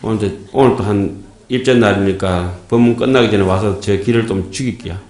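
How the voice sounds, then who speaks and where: A man's voice: on the low side, brisk, darkish tone, echoey room. A man giving a Buddhist dharma talk in a sermon style, folksy and joking, often checking in with his listeners. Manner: folksy, joking, asks the audience "예?". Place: temple dharma hall.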